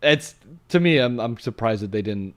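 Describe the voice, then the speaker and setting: A man's voice: medium pitch, lively intonation, a bit bright. Chicago guy co-hosting a stream, rambly and chatty. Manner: rambling, chatty, quick reactions. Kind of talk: casual chat.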